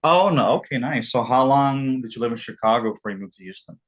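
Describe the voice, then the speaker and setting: A man from Southern California hosting a casual podcast interview, talking in halting bursts and often repeating his words. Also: medium pitch, lively intonation, dull audio. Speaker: podcast host.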